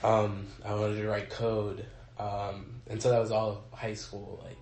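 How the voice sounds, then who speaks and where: A man's voice: fairly low pitch, little pitch movement, measured pace, darkish tone, roomy sound, a little hiss or hum. A young man, a college student, chatting with friends and then answering interview questions in a rambling way, full of fillers and laughter. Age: young adult. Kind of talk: casual chat and interview answers.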